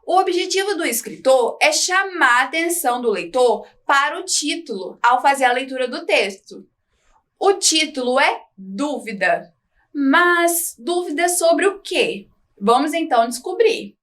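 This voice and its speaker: A woman teacher giving a recorded lesson, explaining slowly and clearly and asking the students questions. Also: high-pitched, expressive, fairly bright tone. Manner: slow, clear, didactic reading with questions to students.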